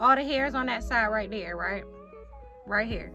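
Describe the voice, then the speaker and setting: Over music in the background, a woman speaks in a high-pitched voice. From Norfolk, Virginia. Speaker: rapper and loc stylist. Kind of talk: hair-care tutorial demonstration. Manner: casual, explanatory.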